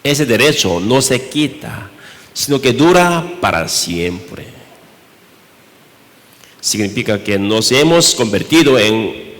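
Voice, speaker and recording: A man from Korea with a Korean accent, preaching a sermon in Spanish as pastor, halting, with many rhetorical questions. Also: mid-range voice, a bit bright. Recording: reverberant church hall.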